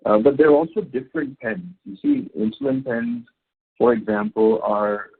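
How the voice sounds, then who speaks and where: A man answering questions as a company executive on a conference call, speaking in halting, unscripted phrases. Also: on the high side, wildly swooping pitch, creaky, husky. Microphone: phone conference call. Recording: tinny narrow phone line.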